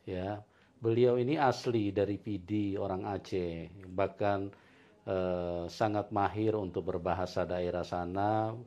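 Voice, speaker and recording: A man, a pastor hosting the interview, speaking in a measured way with hesitant fillers. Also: low voice, fairly even intonation, mellow. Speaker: pastor and host. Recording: dull lo-fi sound.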